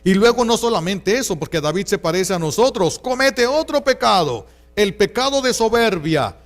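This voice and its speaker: Man, Catholic priest, Mexican Spanish accent, earnest pastoral sermon, high voice, repeats phrases for emphasis. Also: expressive, moderate pace.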